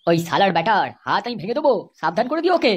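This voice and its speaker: A performer voicing a flirtatious, boastful village lover in a comedy cartoon, theatrical and husky, with a West Bengal accent. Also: medium pitch, big pitch swings, fast. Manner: theatrical sweet-talking. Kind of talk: amateur comedy cartoon dialogue.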